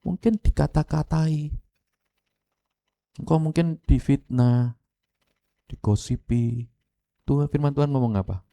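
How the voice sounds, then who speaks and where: Man, east javanese accent, lively sermon, middle-aged, speaks to the congregation, acted quotes. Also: a little high, a little slow, vocal fry, pauses often. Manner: animated, addresses congregation directly, mixes Javanese phrases. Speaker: pastor.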